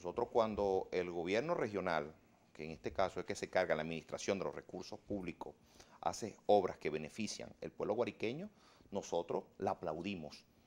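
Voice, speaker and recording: A man talks with a very deep, low pitch and ordinary pitch variation. His pace is moderate. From Venezuela, Guárico; Venezuela. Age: 30s. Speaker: regional legislator, opposition politician; opposition politician. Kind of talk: TV interview. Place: studio. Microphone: lapel.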